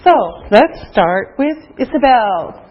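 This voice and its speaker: Slow, high-voiced woman teacher. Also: big pitch swings, dull audio. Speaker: English teacher. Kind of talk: slow classroom instruction.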